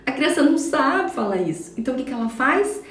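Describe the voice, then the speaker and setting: A woman's voice: high voice, big pitch swings, fast, roomy sound, slight background noise. A woman with a Brazilian Portuguese accent, a parenting educator giving a live talk from home, explaining and checking in with viewers. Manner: explanatory, addresses viewers directly, frequent "tá?" check-ins. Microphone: phone for a social media live.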